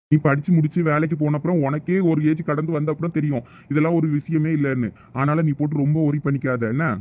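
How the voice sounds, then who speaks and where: A man voicing young male cartoon characters, talking fast, earnest and persuasive, on a dull lo-fi recording. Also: on the high side. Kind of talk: cartoon voice acting.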